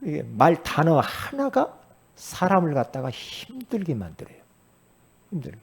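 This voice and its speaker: A man preaching a sermon as pastor, talking in a conversational way with sudden loud emphatic rises. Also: fairly high pitch, huge pitch swings, normal speed, vocal fry, slightly rough.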